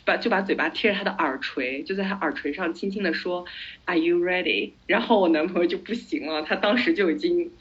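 A woman's voice: lowish voice, quick pace, few pauses. A woman podcast host telling stories in a casual chat, dropping English words into her speech. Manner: animated storytelling, mixes in English words. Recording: slightly dull lo-fi audio.

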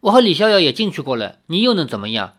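Bold, cheeky young tribal girl for an audiobook, pitched high and bouncy, put on by a male reader. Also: big pitch swings, moderate pace. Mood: defiant.

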